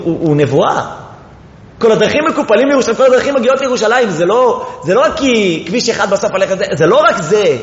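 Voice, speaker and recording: A man giving an impassioned Torah lecture, moving from quiet explanation to rising, pleading exclamations and often restarting his sentences. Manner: apologizes for being disorganized, restarts often. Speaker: Torah teacher. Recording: echoey hall, dull lo-fi sound with faint rumble.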